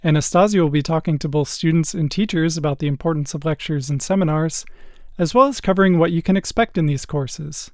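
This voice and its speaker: A man reads the scripted opening of a university podcast in an upbeat, announcer-like way. His voice is fairly high for a man and sounds dry, with no room echo. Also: a little fast, a little mellow. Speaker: podcast host.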